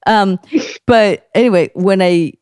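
A woman's voice: medium pitch, a little slow, darkish tone, clean tone, dry recording, studio quality. A middle-aged woman from Greece, whose first language is Greek, talking casually as a podcast host, rambling with many fillers and frequent laughs. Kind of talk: casual conversation.

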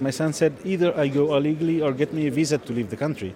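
Man, 60s, from tunisia, halting english, crowd noise outdoors. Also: on the high side. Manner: earnest, halting, with restarts. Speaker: interviewee. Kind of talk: field interview.

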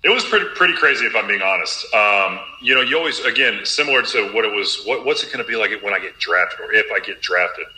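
A young man with a bright, forceful voice recounts his story as an interview guest. He talks earnestly and with feeling, slipping into quoted self-talk. The room adds a noticeable echo. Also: on the low side, expressive, quick pace, few pauses. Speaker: professional basketball player, guest. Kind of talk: candid storytelling interview answer. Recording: roomy echo.

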